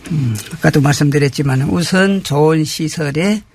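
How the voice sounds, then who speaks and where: A man giving polite, measured explanations as a guest in a formal interview. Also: fairly high pitch, darkish tone, breathy edge. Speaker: interview guest, community representative.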